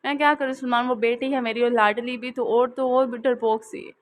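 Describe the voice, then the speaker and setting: A grieving mother from a romance audiobook, frantic over her lost daughter, read by a woman. She pleads in distress. The voice is fairly high. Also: steady tone, fairly quick, close to an everyday voice. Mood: distraught.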